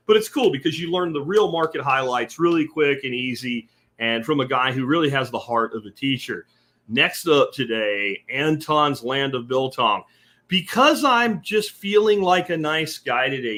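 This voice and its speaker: Slightly high and a bit bright, this podcast host's voice belongs to a middle-aged central Pennsylvania man. His delivery is folksy, relaxed, and emphatic, and he also handles sponsor reads.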